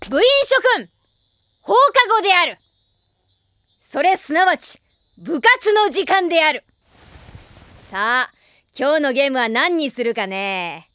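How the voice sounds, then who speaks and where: A woman's voice: high-pitched, expressive, measured pace, pauses often, bright, forceful tone, heavily acted. A woman playing a brash, bossy, tomboyish schoolgirl club leader with a mock-pompous manner in an anime audio drama. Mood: pompous, cheerful.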